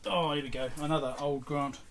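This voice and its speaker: A man's voice: fairly high pitch, steady tone, a little fast, very noisy. A middle-aged man talking casually off the cuff, musing to himself like a vlog host as he goes through items. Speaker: host of an electronics repair channel.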